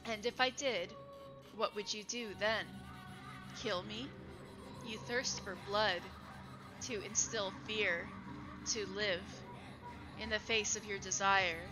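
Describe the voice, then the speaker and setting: A woman voicing a cold, mocking inner voice that taunts slowly and quietly. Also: mid-range voice, steady tone, music in the background, close to an everyday voice, low-quality recording. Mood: taunting. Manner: slow, sneering, quiet.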